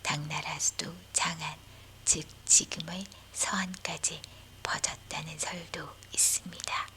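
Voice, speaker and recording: A woman whispers a scripted bedtime tale from history. Her breathy, voiceless delivery is low and unhurried, with a bright, sibilant edge. There is a faint wash of noise behind the whisper. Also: steady tone. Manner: whispering, breathy and unvoiced throughout. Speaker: bedtime story narrator.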